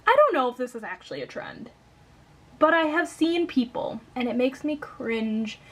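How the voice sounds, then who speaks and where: Young midwestern gal chatting to her camera, upbeat, kinda high voice, lots of um and like. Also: expressive, normal speed. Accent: Midwestern American. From Wisconsin, United States. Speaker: coloring YouTuber. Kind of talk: casual chat to camera.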